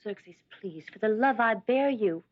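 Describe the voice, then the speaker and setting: An actress voicing a devoted, earnest young queen in an animated Bible drama, speaking in an imploring way. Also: mid-range voice, fairly quick, close to an everyday voice. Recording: dull lo-fi sound.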